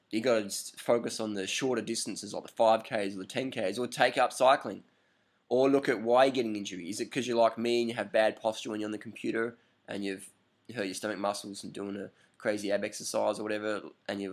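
A man in his thirties answering a viewer's question in a casual, rambling webcam vlog indoors, repeating his points for emphasis. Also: fairly low pitch. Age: 30s. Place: indoor room with curtains, at night. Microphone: laptop webcam up close.

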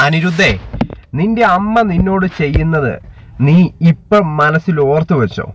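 A man's voice: fairly high pitch, normal speed, lightly acted. A man voicing a scheming, manipulative middle-aged aunt in a retold story, taunting and insistent.

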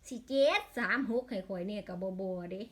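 A woman's voice: medium pitch, a little fast, a bit bright. A woman with an Isan accent in a casual vlog, rattling off lottery number strings and breaking into exasperated grumbles.

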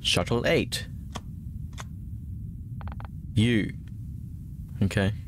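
A man's voice: lowish voice, very slow, background noise. A young man doing casual, joking let's play commentary, thinking aloud as he plays. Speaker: gaming YouTuber.

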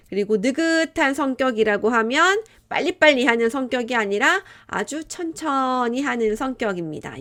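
A woman's voice: on the high side, a bit bright. A woman teaching Korean vocabulary, explaining words patiently and acting out short example dialogues. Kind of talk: vocabulary lesson.

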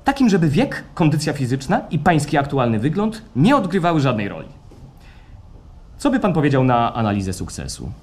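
A man's voice: on the high side, wildly swooping pitch, fairly quick, a little mellow. An actor playing an eager, fussy technician in a radio play, pressing his case persuasively. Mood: brisk, eager. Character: eager, insistent technician selling staged re-creations of feelings. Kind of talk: radio play acting before a live audience. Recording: live stage recording with background noise.

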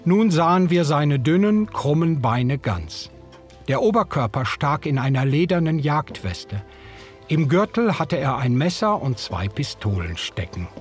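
A man narrating a radio drama in the first person, in a measured, old-fashioned storytelling manner. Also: fairly high pitch, big pitch swings, soft background music. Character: young German man recalling the past. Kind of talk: scripted audiobook narration.

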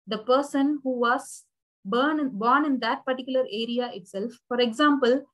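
Tamil-speaking Indian woman lecturing slowly. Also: high voice, a bit bright, poor audio. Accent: Indian English. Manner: explanatory, repeats and rephrases with frequent fillers. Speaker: university English lecturer. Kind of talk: recorded slide lecture.

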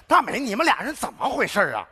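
A man's voice: extremely high pitch, huge pitch swings, fast talker, sharp tone, breathy edge, full character voice. An actor playing a flustered neighborhood man hunting a rat, ranting in a stage comedy sketch. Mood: exasperated ranting. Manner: exasperated ranting, repeats himself. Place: television gala stage.

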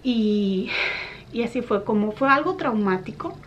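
A young woman vlogger casually telling a personal story to her viewers, animated when she retells what people said. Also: a little high, measured pace, lo-fi sound, background noise.

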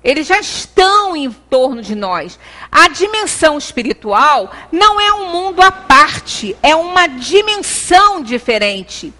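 A middle-aged Brazilian woman speaks to a small audience with a high, bright voice. She is earnest and halting, breaking off and restarting her phrases. The sound comes from a camera across an indoor meeting room. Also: sing-song. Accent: Brazilian Portuguese. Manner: earnest, gesturing, many pauses and restarts. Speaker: lecturer at a spiritist center. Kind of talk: devotional talk. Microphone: far camera.

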